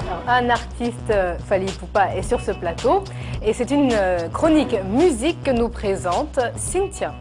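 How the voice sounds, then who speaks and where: A woman's voice: fairly high pitch, animated, normal speed, over music. A woman co-anchoring a TV news show, introducing a guest columnist conversationally. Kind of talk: TV news presenting.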